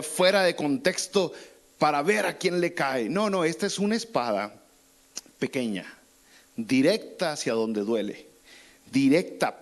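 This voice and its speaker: A pastor preaching a sermon, casual and conversational, with colloquial asides. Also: male voice, a little high. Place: church.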